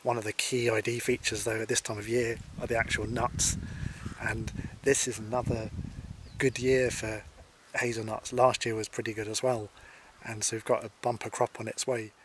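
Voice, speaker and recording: A man in his forties from Scotland, calmly explaining wild plants as a foraging instructor, speaking to camera outdoors by hedges. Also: medium pitch. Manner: calm, explanatory, unhurried. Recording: faint outdoor noise.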